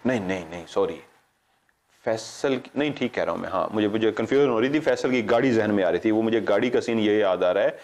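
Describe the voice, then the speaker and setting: Talking fast in a fairly low voice, a middle-aged Pakistani man tells a story for his paranormal show in a relaxed, animated style. He performs the quotes, veers off topic, and stops now and then to correct himself.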